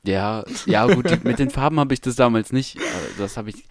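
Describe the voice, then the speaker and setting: A man co-hosting a podcast in casual chat, talking haltingly with lots of fillers and restarts. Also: medium pitch, lively intonation, no echo, studio quality. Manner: hesitant, many fillers and restarts. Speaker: podcast co-host.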